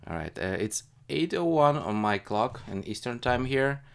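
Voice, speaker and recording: A man hosting a casual live stream as a retail investor, thinking aloud in a halting, hesitant way. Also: mid-range voice, sing-song, vocal fry, smooth. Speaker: livestream host, retail investor.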